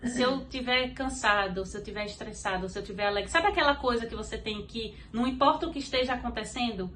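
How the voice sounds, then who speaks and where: A woman's voice: on the high side, fast, a bit bright, slight background noise. A woman from Brazil with a Brazilian Portuguese accent, a podcast guest giving an earnest faith testimony and acting out what others said.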